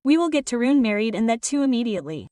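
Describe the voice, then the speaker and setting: A woman's voice: fairly high pitch, big pitch swings, fast, dark tone, no echo. A woman reading a sarcastic scheming aunt. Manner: sarcastic, cold. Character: scheming bitter middle-aged aunt, sarcastic. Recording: slightly distant, dry recording.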